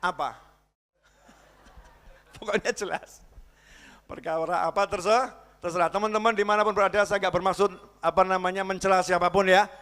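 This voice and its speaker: A man preaching in a large mosque hall with a high, bright, cutting voice. He delivers his sermon with animation, sometimes shouting and slipping into acted voices, and his words ring out in a long hall reverb. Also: steady tone, moderate pace, pauses often, clean tone.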